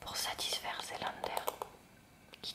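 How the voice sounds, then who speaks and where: The voice is soft-spoken and fairly slow. Loud background noise is present throughout. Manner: soft, close ASMR reading voice.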